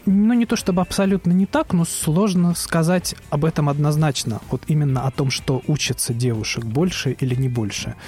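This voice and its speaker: With noticeable background noise behind him, a man speaks at a moderate pace in a fairly high pitch, his intonation lively. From Russia, Ulan-Ude (Buryatia). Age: young. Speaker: composer. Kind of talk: radio interview.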